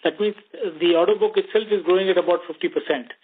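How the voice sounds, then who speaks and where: Indian executive on a tinny phone line. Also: male voice, high voice, fast. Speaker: company executive. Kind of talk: earnings call remarks and answers. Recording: tinny narrow phone line, faint noise.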